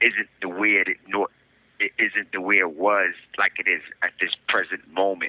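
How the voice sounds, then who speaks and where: A man speaks at a moderate pace. His loudness stays very even. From New Jersey (Essex County, moved from Harlem at five). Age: 50s. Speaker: incarcerated man / prison reform advocate. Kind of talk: interview.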